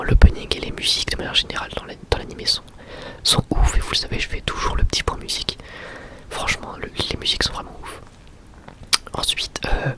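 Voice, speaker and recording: A man whispering a casual ASMR review in a breathy, unvoiced voice, chatting informally and often rephrasing himself as he goes. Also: fairly high pitch. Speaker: ASMR video creator and anime reviewer.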